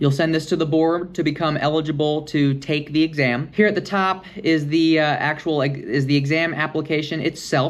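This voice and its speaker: A man's fairly high voice is heard through noticeable background noise. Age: 20s. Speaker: electrician and business owner. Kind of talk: tutorial.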